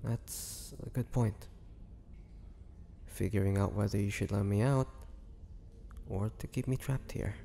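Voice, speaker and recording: Man acting as an old-world vampire, wistful, gentle, creaky, halting, intimate audio drama, faint background noise. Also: on the low side, steady tone. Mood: curious, intrigued. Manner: halting, hesitant, measured, with pauses. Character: ancient, trapped male vampire, gentle and wistful. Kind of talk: scripted audio roleplay monologue, intimate.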